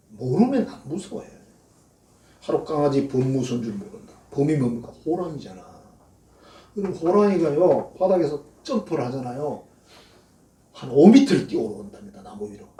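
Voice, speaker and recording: A man preaching, telling folksy stories and acting out the prayers he quotes. His voice sits fairly high and swings widely in pitch, with a mellow, warm colour. He is heard from a distance in an echoey church sanctuary. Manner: folksy storytelling, acts out quoted prayers in a mocking voice. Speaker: pastor. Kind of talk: sermon.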